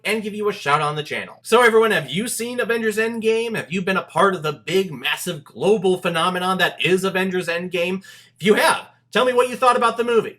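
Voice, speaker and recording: A man giving a casual, enthusiastic film review straight to his viewers, talking in an animated, emphatic and informal way. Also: high-pitched.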